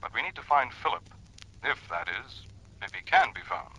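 A measured, grave insurance executive from an old radio drama, his voice sitting low and steady as he lays out the facts patiently. It is an old broadcast recording. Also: slightly rough, heavily acted, low-quality recording. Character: calm middle-aged male insurance executive. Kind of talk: 1960s radio drama acting.

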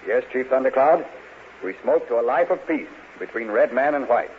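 An actor playing an earnest, grateful frontier settler who speaks in formal terms, heard through a tinny old radio broadcast. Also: male voice, medium pitch, moderate pace, slight background noise, natural voice.

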